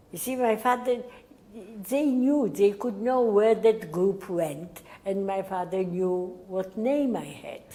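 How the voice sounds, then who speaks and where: In a non-native accent, a woman with a medium pitch talks at a very slow pace with lively intonation. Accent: foreign accent in English. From Poland, Lublin. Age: 90s. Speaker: Holocaust survivor. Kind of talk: testimony interview.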